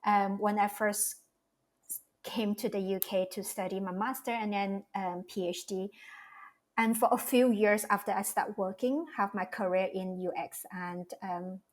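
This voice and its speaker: A woman's voice: mid-range voice, steady tone, measured pace. Reflective woman, casual interview. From Malaysia. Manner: reflective, speaks in loose restarting phrases. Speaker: guest, cultural strategist.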